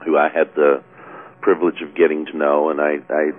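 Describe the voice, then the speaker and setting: Man co-host, extremely deep voice, upbeat, tinny phone-line sound. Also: flat delivery, a little fast. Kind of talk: casual call-in talk.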